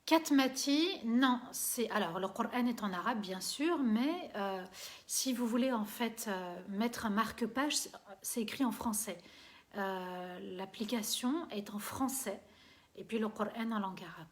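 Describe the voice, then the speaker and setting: A woman religious teacher on a live stream, answering viewer questions in a hesitant way, with frequent fillers and restarts, and soft, trailing phrase endings. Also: on the high side, unhurried.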